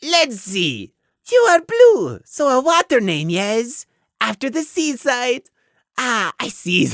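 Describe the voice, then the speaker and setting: This put-on character voice has a fairly high pitch and a fairly slow pace. It hisses throughout. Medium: read story. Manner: hissing, odd broken phrasing ending in "yes?".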